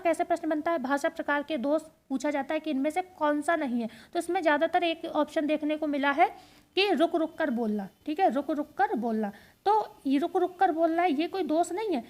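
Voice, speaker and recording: Key points come back as rapid questions and answers in this exam-prep lesson. The teacher, a woman with a high voice, walks through the material one step at a time.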